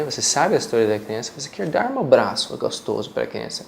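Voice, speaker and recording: Speaking very fast with very wide pitch swings, a man with an American accent is heard against noticeable background noise. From United States. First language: English (speaking Portuguese). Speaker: children's shelter director. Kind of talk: interview.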